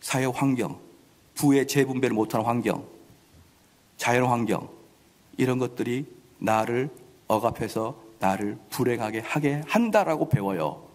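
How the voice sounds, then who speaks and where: A man preaching a sermon as pastor, animated, acting out family quarrels. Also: mid-range voice, normal speed. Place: church sanctuary. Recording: long church hall reverb.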